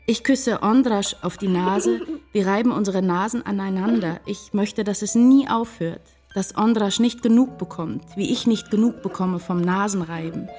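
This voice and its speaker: An actress playing an anxious, tender writer in love, narrating a literary radio drama in an intense, confessional way. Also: female voice, mid-range voice, normal speed, few pauses, dark tone, natural voice. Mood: tender, wistful. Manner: intense, confessional first-person storytelling. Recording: music behind the voice. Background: music.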